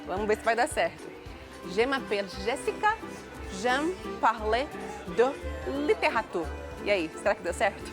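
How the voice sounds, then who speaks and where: A woman reporter speaks in a playful, animated way on television, her voice high and full of swooping turns. Clear background music plays under her report. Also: measured pace. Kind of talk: lively on-air report.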